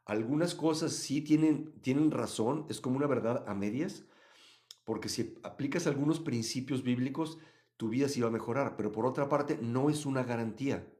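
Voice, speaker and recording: A man from Mexico, teaching a live Bible study and answering chat comments, swinging between loud emphasis and quiet asides. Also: mid-range voice, moderate pace.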